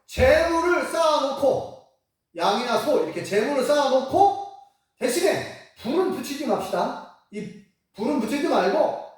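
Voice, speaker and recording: Lively woman preacher, storytelling sermon, voice swinging up and down, recorded from far back in a very echoey church. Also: fairly high pitch. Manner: animated, asks the congregation questions, acts out quotes. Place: church sanctuary.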